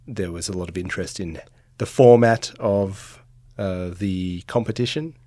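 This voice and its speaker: Low-voiced man, halting podcast chat. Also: dark tone, no echo. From Australia. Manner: halting, many fillers and restarts. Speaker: sports reporter.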